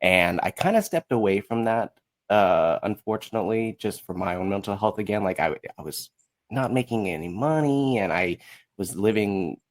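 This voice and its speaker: A man chatting casually as an interview guest, telling his story in a candid, animated, self-deprecating way. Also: fairly low pitch, normal speed. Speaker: podcast guest, musical writer.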